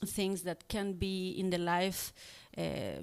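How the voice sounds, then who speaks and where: A woman with a Spanish accent speaks very slowly at a medium pitch in a very clean recording with a silent background. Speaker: poet. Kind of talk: panel discussion. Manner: halting.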